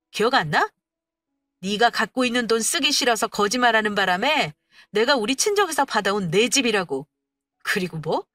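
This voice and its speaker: A woman's voice: a little high, no room sound. A woman playing a fierce wife snapping back. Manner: sharp, cutting retorts.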